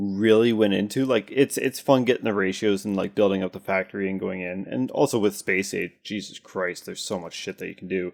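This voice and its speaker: This man has a plain, everyday voice. He talks at a fairly quick pace with ordinary pitch variation. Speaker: gaming podcast co-host. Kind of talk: casual chat.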